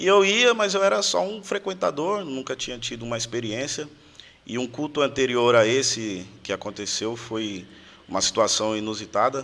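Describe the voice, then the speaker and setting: This man's voice sits at medium pitch with a bright, sharp tone. He keeps a moderate pace, and his pitch swings very widely. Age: 30s. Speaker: former amateur footballer. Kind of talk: casual testimony.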